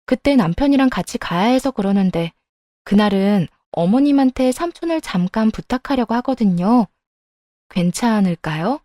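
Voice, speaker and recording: A woman narrating a first-person family story in a polite, expressive way. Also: mid-range voice, moderate pace, no echo. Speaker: narrator as daughter-in-law.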